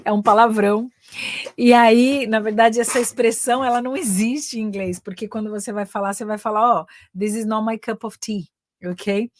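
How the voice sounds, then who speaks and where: A woman's voice: on the high side, fairly even intonation, moderate pace, no room sound, clean studio sound. Chatty Brazilian woman teaching English. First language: Portuguese. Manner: switches between Portuguese and English, chatty asides. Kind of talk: live online class.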